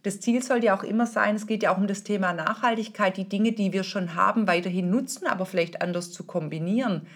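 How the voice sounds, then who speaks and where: A woman's voice: mid-range voice, quick pace, hardly any pauses. A middle-aged woman hosting a podcast as a style consultant, explaining in a chatty, informal way with many fillers and restarts. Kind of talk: casual explanatory podcast talk.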